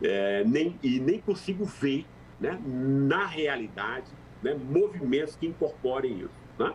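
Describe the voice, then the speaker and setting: A man with a fairly high voice talks very slowly, his intonation lively. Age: 60s. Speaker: sociologist and author. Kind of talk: interview conversation. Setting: live stream. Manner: halting, many fillers.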